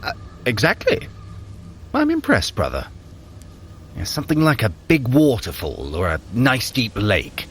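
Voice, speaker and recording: A wry, clever god of mischief in a fantasy audio drama. His mid-pitched voice moves animatedly, with articulate, theatrical phrasing and a dry edge. Noisy sound effects sit clearly behind him. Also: huge pitch swings, a little slow, long pauses, a bit bright. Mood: wry, pondering.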